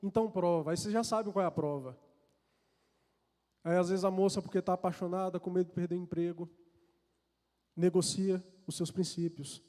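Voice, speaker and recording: A man with a Brazilian accent preaches in a large church hall, its long reverb trailing his high, darkish voice. Steady and moderately paced, he pauses often while telling a confessional personal story, repeatedly restarting and repeating words.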